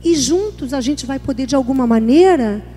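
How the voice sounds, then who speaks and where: A woman pastor speaks in a high, mellow voice. She talks conversationally at a church workshop and slips into little everyday dialogues. Her voice rings with a long reverb in a church hall. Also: animated, moderate pace, slight background noise.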